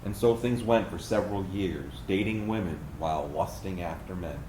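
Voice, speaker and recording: A low male voice of an actor delivers a gay man's personal monologue in a staged reading. He places his pauses deliberately for emphasis. The room is echoey, with faint noise. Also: mellow, natural voice. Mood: wry, confessional. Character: gay man recalling a fearful small-town youth. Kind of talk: dramatic monologue read from a script to an audience.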